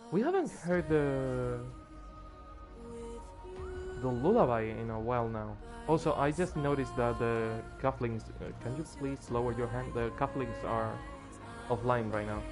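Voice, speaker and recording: A man's voice: mid-range voice, animated, a little slow. A tired man streaming a game, losing his voice and rambling as he plays, with faint music behind him. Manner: rambling, restarts when moved. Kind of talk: casual gameplay commentary.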